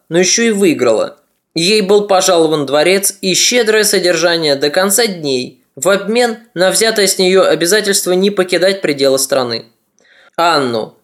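A podcast narrator reading scripted history in a measured, dramatic storytelling manner. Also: medium pitch.

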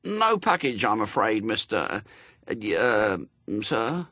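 A man's voice: fairly low pitch, very animated, slow pace, sharp tone, no echo, heavily acted. A man voicing a dutiful male delivery man who stammers politely and sounds flustered.

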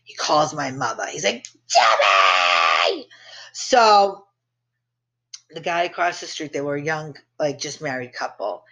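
A woman's voice: low voice, a little fast, hardly any pauses, a bit bright, slightly rough. Woman, podcast host, casual storytelling, brash, profane, laughs at her own jokes.

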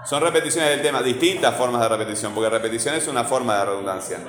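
A man teaching a class, firing off one question after another and leaning hard on key words. The room gives his voice a noticeable echo. His pitch sits mid-range for a man. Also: a bit bright, slight background noise. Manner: asks many rapid questions, stresses key words. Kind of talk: online class lesson. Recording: roomy echo.

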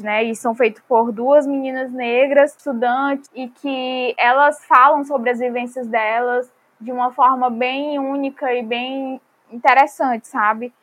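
Chatty young woman, slightly high voice. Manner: chatty, many fillers like "né" and "sabe". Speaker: podcast guest. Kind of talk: casual podcast chat.

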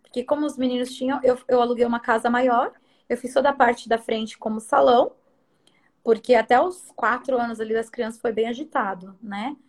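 A middle-aged woman runs a salon and is a guest in a relaxed interview. Her voice sits high. She tells her stories with lots of life and slips into the voices of the people in them. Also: a little fast. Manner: animated storyteller who acts out others' lines. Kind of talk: casual storytelling chat.

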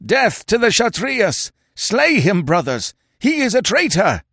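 A man voicing furious tribal warriors in an adventure storybook, yelling for vengeance. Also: sits high, huge pitch swings, measured pace, gravelly, breathy edge, no room sound, studio quality, pitched above the performer's own voice, heavily acted. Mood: vengeful. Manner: howling, yelling.

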